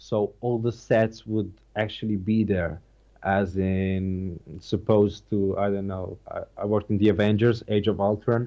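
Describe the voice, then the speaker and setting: Fairly low in pitch and fairly slow, a man with a Slovenian accent speaks in a monotone, flat intonation. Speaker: actor. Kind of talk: interview. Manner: halting.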